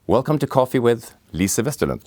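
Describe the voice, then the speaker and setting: A man hosting an academic interview, reading his introductions and questions crisply. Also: medium pitch, big pitch swings, fairly quick, a little mellow, dry recording. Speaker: interview host.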